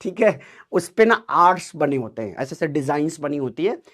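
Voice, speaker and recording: A man with a high voice tells an animated story to his class. He acts out the dialogue with lively drama. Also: moderate pace. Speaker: teacher telling a story to students.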